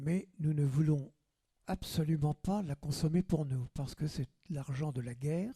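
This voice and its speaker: A man's somewhat breathy, fairly high-pitched voice with a dark, mellow tone, ordinary pitch variation and a fairly slow pace. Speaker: war veteran. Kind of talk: testimony. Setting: school panel with audience.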